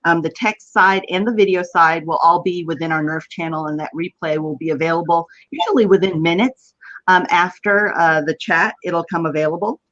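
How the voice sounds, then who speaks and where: A woman's voice: on the low side, normal speed, fairly bright tone. A woman with a West Texas drawl, chatty and informal as she hosts a casual live stream. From West Texas, United States. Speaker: host of an online video chat. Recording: dull lo-fi web video call.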